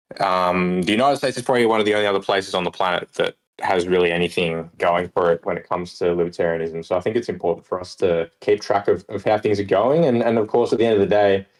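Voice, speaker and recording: With an Australian accent, a man rattles along at a very fast pace with hardly any pauses. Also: fairly low pitch for a man, ordinary pitch variation. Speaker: political commentator on social media. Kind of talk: casual podcast discussion. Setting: live stream call.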